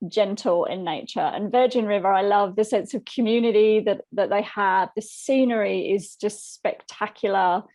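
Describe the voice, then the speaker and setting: A middle-aged woman from England with an English accent tinged by Australia, a coach talking calmly and reflectively in a casual interview. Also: mid-range voice, normal speed, hardly any pauses. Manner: calm, reflective, gentle. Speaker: boundaries coach and guest.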